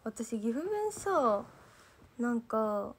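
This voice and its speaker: A young idol trainee from Gifu, Japan, chats casually with fans on a livestream and reads their comments, speaking mostly standard Japanese with a light Gifu dialect. Her slightly high voice is very animated and breathy, with drawn-out words. She rambles, loses her thread, and fills gaps with lots of "nanka."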